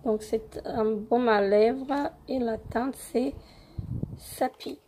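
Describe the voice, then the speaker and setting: A young woman with a cold-roughened voice, hesitantly reviewing beauty products in a casual home vlog with many fillers. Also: a little high, steady tone, very slow, background noise. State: hoarse from a cold. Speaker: beauty vlogger.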